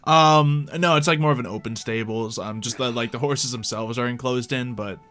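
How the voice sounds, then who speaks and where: A man's voice: medium pitch, normal speed, a bit bright. A man narrating a casual tabletop roleplay as game master, chuckling and joking with his players.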